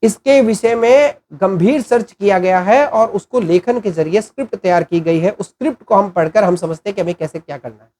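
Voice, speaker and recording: Man giving a deliberate spoken lesson. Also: sits high, darkish tone, a little hiss or hum. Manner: deliberate, explanatory, poses rhetorical questions and answers them. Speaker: channel host explaining content writing.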